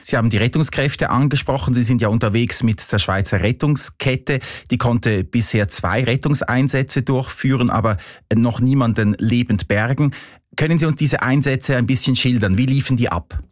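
A man's voice: mid-range voice, normal speed, no echo, clean studio sound. A man with a Swiss German accent presenting scripted radio news as the programme's host.

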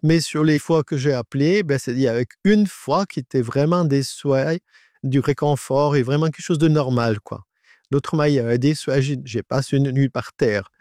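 A man in his nineties gives a halting personal testimony in a radio interview. His voice is disguised by an AI voice changer. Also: mid-range voice, a little mellow, no echo, studio quality. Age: 90s. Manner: halting, with many restarts and repetitions. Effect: voice altered by an AI voice changer.

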